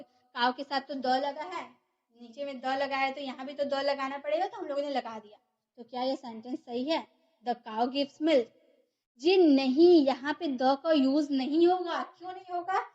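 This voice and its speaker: A woman's voice: high voice, muffled recording. A woman teaching a grammar lesson, who explains step by step and asks and answers her own questions. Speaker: English teacher.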